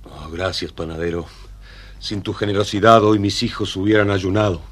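An actor playing a poor, excitable Arab fisherman in a dramatized children's storybook, with theatrical, exclamatory delivery. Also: low-pitched, moderate pace. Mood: grateful. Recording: slightly noisy vintage storybook recording.

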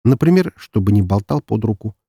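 Husky male audiobook narrator. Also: fairly low pitch, fairly quick, no room sound, clean studio sound. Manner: expressive storytelling reading. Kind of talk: scripted narration.

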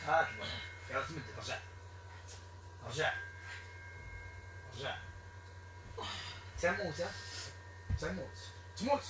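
A man with a Moroccan Arabic accent, performing an exorcism ritual in a stern, repetitive, commanding way that sometimes turns to shouting. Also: on the high side, expressive, measured pace, pauses often. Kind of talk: ritual commands to a possessed person. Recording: echoey room, distant mic, noisy.

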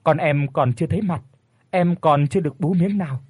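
A man's voice: a little high, lively intonation, moderate pace, breathy edge, no echo, studio quality. A man voicing a frantic village midwife woman. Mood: tearful pleading. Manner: urgent pleading shouts. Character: frantic middle-aged village woman delivering a baby.

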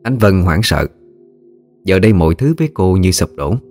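A man narrating a scripted ghost story in a steady storytelling manner. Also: sits low, normal speed, soft background music.

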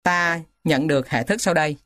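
A woman with a fairly low voice reads textbook material from a script. She dictates it item by item, naming symbols and punctuation as she goes. The sound is very dry, with no room echo. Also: moderate pace, fairly bright tone. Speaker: narrator reading a mathematics textbook aloud. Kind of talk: scripted read-aloud of a textbook.

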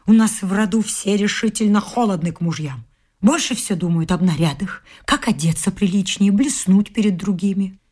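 A woman's voice: mid-range voice, normal speed, a little mellow, close to an everyday voice. An actress in a radio play voicing a domineering, grasping middle-aged mother-in-law who scolds emphatically and haughtily. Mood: scolding, lecturing. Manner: scolding, emphatic nagging with whispered scorn. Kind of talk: theatrical radio drama acting.

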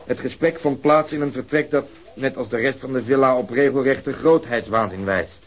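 An actor as a wry detective, husky and dry, radio drama. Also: male voice, mid-range voice, moderate pace, close to an everyday voice. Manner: dry, ironic. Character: wry police detective reporting, middle-aged man.

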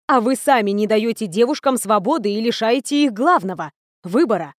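A woman's voice: a little high, no echo, studio quality, close to an everyday voice. A woman voicing a stern female commander of a magic academy who speaks firmly and with authority. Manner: firm, commanding.

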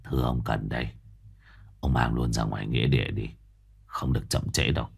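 Man doing stern old ritual master, very deep, hushed and measured, husky. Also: fairly even intonation, heavily acted. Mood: stern, urgent. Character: elderly male ritual master, calm and stern.

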